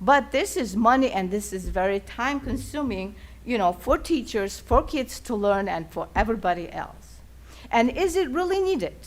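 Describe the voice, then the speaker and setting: A woman with a non-native accent, a fairly high pitch, very wide pitch swings, vocal fry and a moderate pace. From outside the US, came at 21. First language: not English. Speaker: public commenter at school board meeting. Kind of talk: public comment. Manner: halting.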